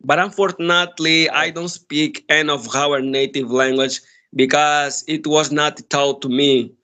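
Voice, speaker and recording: Angolan guy w portuguese accent, kinda high voice, chatty and friendly, laughs a lot. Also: steady tone, measured pace, sharp tone. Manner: friendly, thoughtful, laughs often. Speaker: conversation partner. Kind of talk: casual chat.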